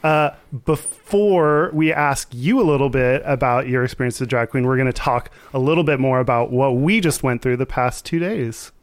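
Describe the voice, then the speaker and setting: A man's voice: medium pitch, normal speed, hardly any pauses, no echo. A hungover man co-hosting a casual podcast chat, stammering and laughing nervously. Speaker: podcast co-host.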